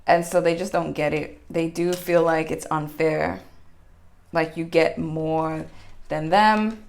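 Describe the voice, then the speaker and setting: A woman's voice: deep voice, fairly even intonation, slow pace, creaky. A woman giving a casual, rambling general tarot reading to her viewers, full of fillers and restarts. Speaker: tarot reader.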